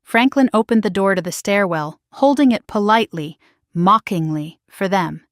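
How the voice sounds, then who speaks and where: A woman's voice: medium pitch, normal speed, dry recording. Woman narrating a dramatic story, dry sound. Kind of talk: first-person scripted story narration.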